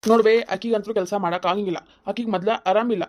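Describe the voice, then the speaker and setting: A woman's voice: medium pitch, fairly even intonation, very fast, a little mellow, close to an everyday voice. A woman voicing a heated young husband in a cartoon comedy, scolding and lecturing insistently, with a North Karnataka Kannada accent. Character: heated young husband defending his wife against his mother.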